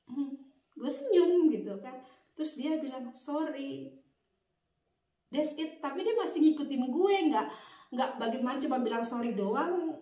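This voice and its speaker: A woman's voice: high voice, lively intonation, normal speed, warm tone, roomy sound, far from the mic. A young adult woman from Indonesia, a vlogger telling a story in a chatty, casual way and tagging her sentences with filler phrases. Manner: chatty, addresses viewers as "geng", many "gitu kan" tags. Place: Bavaria, Germany.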